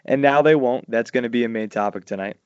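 A man, hosting a casual podcast chat and telling stories loudly, his voice jumping up high when he gets worked up. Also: fast talker, clear, resonant tone, no room sound. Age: 40s. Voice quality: loud voice. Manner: animated storytelling, swings high when excited. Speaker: podcast host. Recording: dull lo-fi dry sound.

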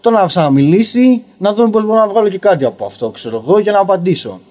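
A young man telling a story casually on a podcast as a guest comedian, rambling and filling pauses with "you know". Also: sits high, lively intonation, darkish tone. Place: basement podcast studio.

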